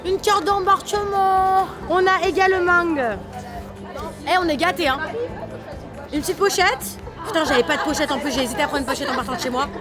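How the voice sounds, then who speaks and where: A woman's voice: very high-pitched, a little fast. A woman hosting a casual travel vlog, bubbly and joking as she chats. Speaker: vlogger host. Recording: background music and crowd noise.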